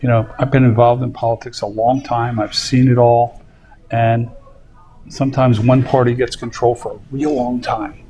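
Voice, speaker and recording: A man's flat, monotone voice over noticeable background noise. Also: medium pitch for a man, moderate pace. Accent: American. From South Jersey, Cumberland County. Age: 70s. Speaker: politician, TV co-host. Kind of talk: casual chat. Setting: pub at a motorsports park.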